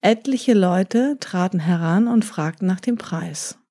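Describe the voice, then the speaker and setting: Calm, slow-reading woman storyteller. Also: fairly low pitch. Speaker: narrator.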